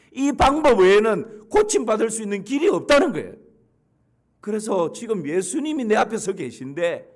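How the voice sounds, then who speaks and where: A male pastor delivering a sermon, repeating emphatic declarations and blessing the congregation. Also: high-pitched.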